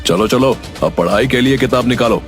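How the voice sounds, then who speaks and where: A man's voice: mid-range voice, moderate pace, close to an everyday voice. A man playing a stern strict schoolteacher. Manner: stern, commanding. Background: background music.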